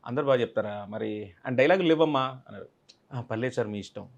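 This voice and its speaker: A male actor recounts a shoot in an interview. He tells it with energy and slips in quick impressions of the people on set. His voice sits at an ordinary pitch for a man. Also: dull audio. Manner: animated, acts out others' lines in quotes. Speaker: actor guest. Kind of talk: interview storytelling.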